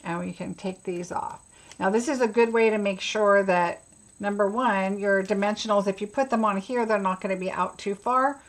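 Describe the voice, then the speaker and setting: Here a woman at an average female pitch walks through a craft project in a casual live tutorial at normal speed. She chats as she goes, murmuring each small step partly to herself.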